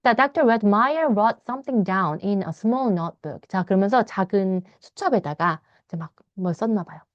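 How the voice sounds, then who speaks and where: A Korean woman teaching English by reading a novel aloud. She reads English lines slowly and explains them in fast Korean, sometimes acting out the characters in a higher voice. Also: no room sound, highs cut off. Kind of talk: bilingual read-aloud lesson, explaining a novel.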